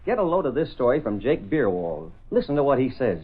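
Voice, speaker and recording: An actor playing a brash ace newspaper reporter in a 1930s radio drama, brisk and persuasive, on a tinny old broadcast. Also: male voice, mid-range voice, sing-song, husky.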